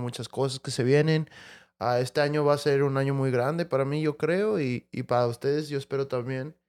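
With an American accent, a man talks at a very fast pace using fairly even intonation. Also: very clean recording, silent background. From Mexico, then US. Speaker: music artist. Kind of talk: casual chat.

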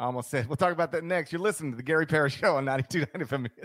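A man with a Southern US accent, very fast pace and lively intonation. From US South. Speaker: sports podcast host. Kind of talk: casual chat. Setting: remote recording from home.

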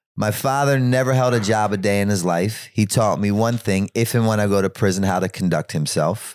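Speaking at a fairly quick pace with hardly any pauses, a man has a fairly low pitch, ordinary pitch variation and an animated tone. His loudness stays very even on a very clean recording with a silent background. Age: 40s. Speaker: former pro skateboarder in recovery. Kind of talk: testimony.

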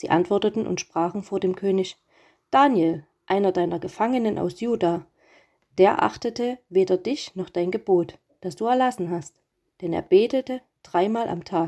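A woman with a dark, mellow tone at medium pitch speaks at a moderate pace with ordinary pitch variation and long, frequent pauses, in a very clean recording with a silent background. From Saxony, near Chemnitz. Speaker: lay scripture reader. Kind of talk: reading aloud.

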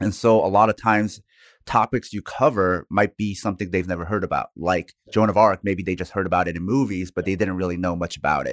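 A man speaks at a fairly quick pace in an American accent, his very deep, low voice carrying fairly even intonation. The sound is dry and close with no echo, on a very clean recording with a silent background. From US, Korean American from Los Angeles. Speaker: podcaster. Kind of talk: casual chat. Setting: studio.

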